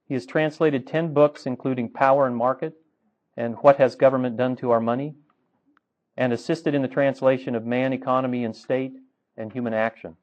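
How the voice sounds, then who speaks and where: A man's voice: mid-range voice, a little mellow. A man serving as conference host, reading a formal, scripted introduction of the guest lecturer from notes. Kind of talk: scripted introduction read aloud. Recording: dull lo-fi recording.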